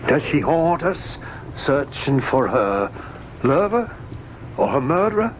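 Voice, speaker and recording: A man's voice: fairly high pitch, sing-song, slow pace. An actor playing an earnest, anxious young man in an old-time radio drama, speaking with dramatic, insistent intensity. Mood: insistent, intense. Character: earnest, anxious, probing grown son. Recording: dull, noisy old radio recording.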